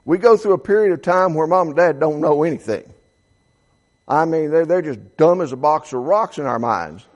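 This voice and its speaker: Seventy-year-old man preaching, halting restarts. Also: fairly high pitch, animated, darkish tone. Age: 70s. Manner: reads quotes aloud, frequent stammered restarts. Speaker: pastor. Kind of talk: sermon.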